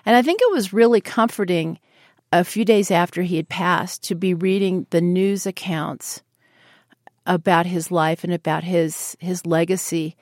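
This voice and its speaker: Older American female guest, earnest and reflective, slightly low register, dry close sound. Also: measured pace, darkish tone, no room sound. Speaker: interview guest. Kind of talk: reflective interview conversation.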